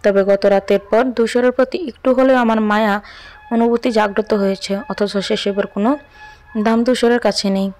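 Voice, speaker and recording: A woman's voice: medium pitch, fairly even intonation, moderate pace, a little mellow. A young woman narrating a scripted first-person audio story expressively.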